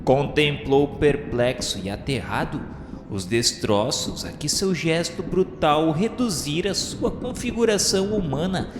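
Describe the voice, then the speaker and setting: A man's voice: fairly high pitch, animated, a little slow. A Brazilian man narrating a radio novel in a solemn, dramatic, grandiloquent literary style, with formal declamation. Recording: echoey, long reverb, music underneath. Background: music.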